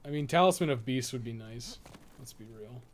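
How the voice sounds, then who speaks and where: A man with a mid-pitched voice talks casually through live gameplay as a streamer. He rambles and thinks out loud, swearing freely. Noticeable noise and ambience sit behind his voice. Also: animated, fairly quick. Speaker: video game streamer and guide writer. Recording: clearly noisy background.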